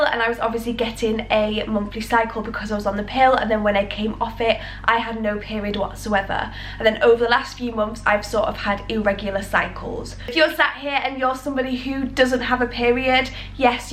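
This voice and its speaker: A young woman with a British accent talks straight to camera in a chatty, rambling, reassuring way. A cold leaves her sounding stuffed up and nasal, and her voice sits a little high. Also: a bit bright, a little hiss or hum. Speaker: health vlogger. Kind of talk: casual talk to camera.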